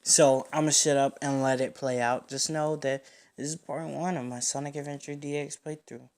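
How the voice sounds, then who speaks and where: A man's voice: fairly high pitch, fairly even intonation, normal speed, darkish tone. A man hosting a gaming playthrough in a casual, rambling, slangy way, as let's-play commentary. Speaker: video game streamer and host. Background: video game music.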